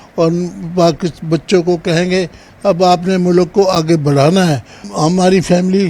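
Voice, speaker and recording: A man's high-pitched voice with a dark, mellow tone and monotone, flat intonation. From India. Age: 80s+. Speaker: partition eyewitness. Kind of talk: interview.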